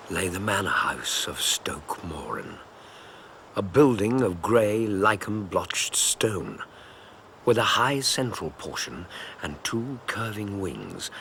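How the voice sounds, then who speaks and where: Dr Watson, a Victorian doctor, voiced by a man, tells the tale in a deep, bright voice with a lively, rising and falling delivery. He narrates in a measured, storytelling manner. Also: creaky, slight background noise, full character voice. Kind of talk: audio drama narration.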